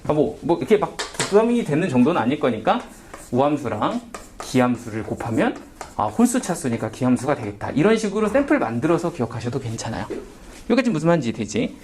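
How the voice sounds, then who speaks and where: A man explains math at a whiteboard, firing off quick questions to his students and answering them himself. His voice swings up and down a lot, at a middling pitch. A faint hiss sits behind him. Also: very animated, darkish tone. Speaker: math tutor.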